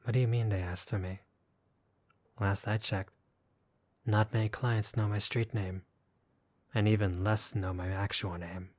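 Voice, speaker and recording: Wary young gangster for hire, played by a male actor, lowish voice, gruff but decent, sardonic and guarded, audio roleplay drama. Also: fairly even intonation, unhurried, long pauses, dry recording. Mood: suspicious, exasperated. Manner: guarded, sardonic, casual street talk.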